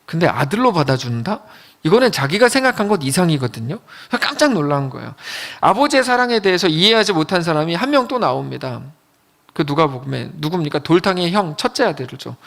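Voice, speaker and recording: A male pastor delivers a sermon in a high, animated voice. His pitch swings widely as he tells the story and drops low when he acts out the characters' lines. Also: fast talker, gravelly. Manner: lively storytelling, acting out quoted lines in a lower voice.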